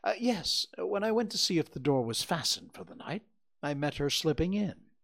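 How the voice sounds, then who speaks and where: A man's voice: fairly high pitch, big pitch swings, moderate pace, vocal fry, fairly bright tone, pitched above the performer's own voice, heavily acted. Man voicing a pleading young lady. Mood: eager. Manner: pleading, breathless. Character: anxious earnest young woman, gentle.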